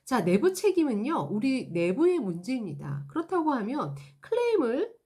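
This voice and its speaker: A woman customer service trainer giving an animated instructional talk, acting out example dialogues. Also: sits high, normal speed, slightly rough.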